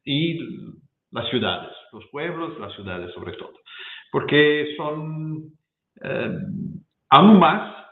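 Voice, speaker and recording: A man with an Italian accent gives an academic talk in a roomy, echoing space, with slightly muffled sound. He speaks slowly and hesitantly, doubling back on words as a non-native speaker feeling for the next one. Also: a little high, animated. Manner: halting, hesitant, repeats words while searching for them. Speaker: guest speaker, professor. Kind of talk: academic presentation. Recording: echoey room, muffled lo-fi sound.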